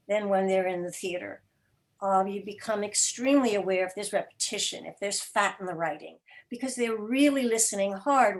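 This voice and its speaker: A woman giving thoughtful, deliberate and articulate explanations as a producer being interviewed. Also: mid-range voice. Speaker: guest, radio drama podcast producer.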